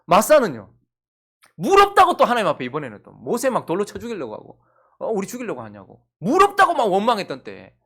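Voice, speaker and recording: A woman's voice: mid-range voice, wildly swooping pitch, fast talker, fairly bright tone. A woman pastor with a Gyeongsang accent preaching a sermon, asking the congregation one rhetorical question after another. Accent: Gyeongsang Korean.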